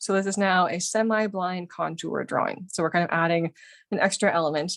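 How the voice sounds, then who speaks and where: Against a quiet background, a woman talks at medium pitch with ordinary pitch variation. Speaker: watercolor artist teaching a workshop. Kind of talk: tutorial. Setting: video call. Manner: animated; fast when excited. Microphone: mic close to mouth, audio cutting in and out.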